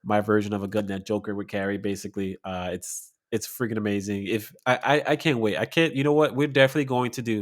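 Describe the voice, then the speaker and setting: A young man with a fairly low voice chatting casually as a podcast co-host. He sounds relaxed, laughs easily and often stumbles over and repeats his words. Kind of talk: casual chat.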